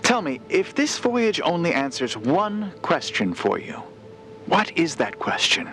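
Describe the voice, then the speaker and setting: An actor playing a supportive journalist in an audio drama, interviewing in a polite, admiring, slightly hesitant way. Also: male voice, a little high, wildly swooping pitch, a little slow, sharp tone, soft background music, full character voice. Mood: thoughtful.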